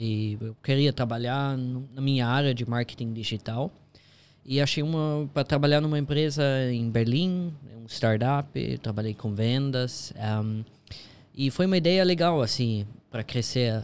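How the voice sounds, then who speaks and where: In a German accent, a man talks at a fairly slow pace with ordinary pitch variation. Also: medium pitch for a man. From Austria. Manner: halting.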